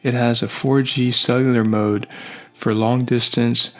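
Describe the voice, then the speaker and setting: A man narrating a scripted product review in measured, short, plain phrases. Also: medium pitch, level tone.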